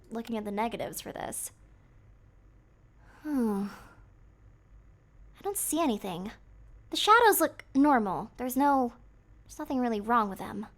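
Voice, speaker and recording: With slight background noise, a woman streams a horror game, her fairly high, cute, girlish voice sounding almost anime-like. She jokes casually with her chat and occasionally mutters to herself.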